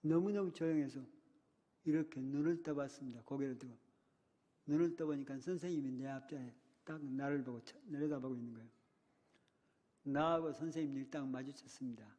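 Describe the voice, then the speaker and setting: Older preacher in an echoing church. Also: male voice, medium pitch, brisk, mellow. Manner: dramatic retelling, voicing childhood cries and a teacher's words. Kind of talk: sermon storytelling. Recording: long reverb of a church hall.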